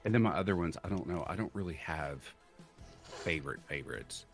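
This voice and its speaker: Deep, lively man telling stories. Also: fairly quick, faint music behind. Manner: animated storyteller, jumps into exaggerated quoted voices. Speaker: podcast guest. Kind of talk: casual chat, storytelling.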